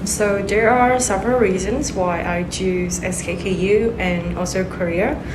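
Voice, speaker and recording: Young woman from Vietnam, exchange student, earnest, middle pitch, roomy sound. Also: measured pace, noisy background. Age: young adult. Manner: earnest, enumerates reasons. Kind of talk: casual interview answers.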